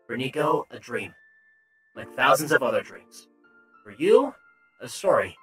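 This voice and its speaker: A hesitant computer entity speaks in a glitchy voice, its pitch jumping and stuttering, put on by a man. It sounds gentle and a little lost, with its phrases breaking off. There is faint music behind it. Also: big pitch swings, measured pace. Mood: tender. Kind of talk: voicing a character in a game playthrough.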